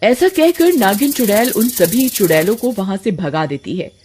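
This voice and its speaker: A woman narrating a cartoon horror story in a steady, dramatic scripted way. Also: mid-range voice, normal speed, soft background music.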